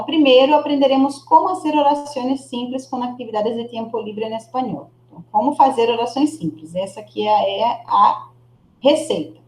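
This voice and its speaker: Patient teacher in an echoey room. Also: female voice, on the high side. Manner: patient, encouraging, models words slowly and repeats them. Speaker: Spanish teacher. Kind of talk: online class, coaching a student's pronunciation. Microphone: video call.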